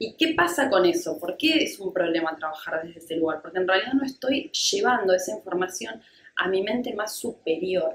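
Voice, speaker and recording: Audible room echo surrounds a woman speaking at a moderate pace with very wide pitch swings. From Argentina. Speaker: ayurveda doctor. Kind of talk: educational talk. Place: home room. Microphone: camera far.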